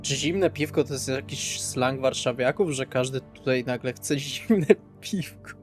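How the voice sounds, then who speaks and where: A man speaks at a middling pitch as a player in a tabletop game. He is colloquial and wry, moving between in-character chat and narration. There is music behind him. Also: a little slow. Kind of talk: improvised in-character chat and third-person narration. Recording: music under the voice. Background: background music.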